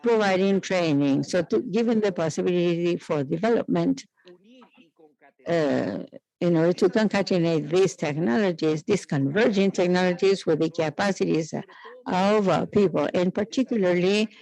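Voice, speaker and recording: A man giving live interpreted conference speech in halting, piecemeal phrases with frequent hesitations. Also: sits high, gravelly, darkish tone, rough recording.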